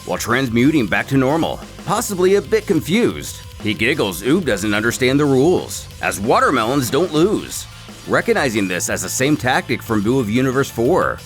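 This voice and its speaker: A man giving a scripted story recap as a narrator, in a dramatic, animated storytelling manner. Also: mid-range voice. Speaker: narrator of a fan comic recap series.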